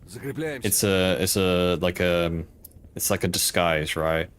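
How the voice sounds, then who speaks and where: A man's voice: low voice, slow, a little hiss or hum. A young man from Poland with a British accent, chatting casually and hesitantly while streaming a game, with lots of fillers. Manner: rambling, hesitant, filler-heavy. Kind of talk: casual gaming stream chat.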